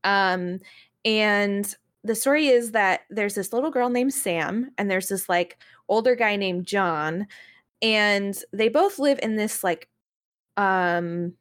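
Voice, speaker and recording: A woman's voice: mid-range voice, slow pace, smooth. A woman co-hosting a podcast in casual chat, talking in an informal, conversational way. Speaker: podcast co-host and games writer.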